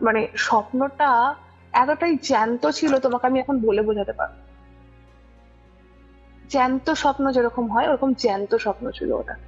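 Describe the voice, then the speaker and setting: Husky young woman storyteller. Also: a little high. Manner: conversational, often checks the listener follows. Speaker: guest recounting a personal ghost experience. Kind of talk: casual spoken storytelling. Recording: muffled lo-fi audio over music. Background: music.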